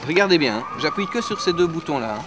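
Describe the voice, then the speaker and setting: A man with a fairly high-pitched voice and lively intonation speaks fast as he shows an audience how the accordion works. His lively, hands-on demonstration is chatty, and he often ends sentences with "hein," with accordion music playing behind him.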